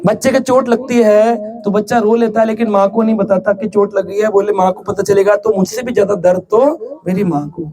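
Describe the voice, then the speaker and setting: A man's voice: high voice, fairly even intonation, a little fast, few pauses, a crowd in the background. A man giving a devotional lecture as a preacher, joking, asking the audience questions and acting out little scenes in story voices. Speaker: ISKCON preacher. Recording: live lecture with audible audience laughter. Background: audience laughing.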